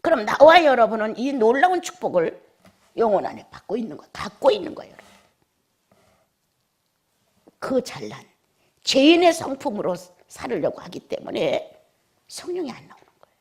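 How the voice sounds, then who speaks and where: Husky woman preaching with dramatic swings. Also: on the high side, very animated, moderate pace, long pauses. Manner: swings between emphatic exclamations and hushed near-whispers; scolding, rhetorical questioning. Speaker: pastor. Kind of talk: sermon.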